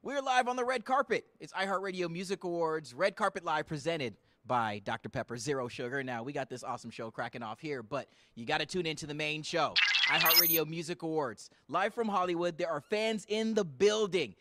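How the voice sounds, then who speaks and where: A man's voice: a little high, brisk, few pauses, bright, forceful tone, slight background noise. A man announcing as host of a live red carpet broadcast, in promotional presenting style.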